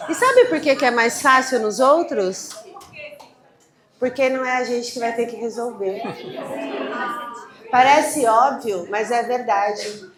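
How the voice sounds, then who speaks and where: A woman hosting a live event, talking to the audience in an energetic, quick and restless way. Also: on the high side, a crowd in the background. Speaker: event host. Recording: echoey room, faint noise.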